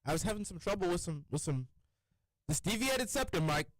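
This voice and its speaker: A man's voice: high voice, expressive, a little fast, a bit bright, no room sound, rough recording. Congested young male radio co-host. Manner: easygoing, rambling. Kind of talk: casual sports radio chat. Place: radio studio. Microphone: studio microphone.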